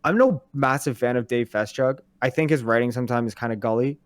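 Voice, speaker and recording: A man's voice: mid-range voice, fast talker, dry recording. A young man co-hosting a sports podcast, talking in a heated, profane, worked-up way. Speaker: podcast co-host. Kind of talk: casual sports chat.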